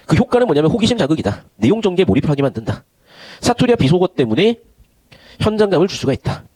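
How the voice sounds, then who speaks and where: Fast, animated Korean tutor man. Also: fairly high pitch, no echo. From Gyeongsang region of Korea. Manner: fast, animated and chatty, switches between polite and casual speech. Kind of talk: online lecture.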